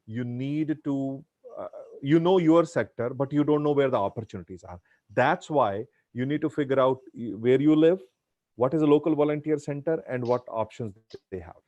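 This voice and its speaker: A man's voice: medium pitch, a little mellow, dry recording. Earnest Indian man giving advice. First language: Punjabi. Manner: earnest, advisory, repeats himself. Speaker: guest speaker. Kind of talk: answering audience questions.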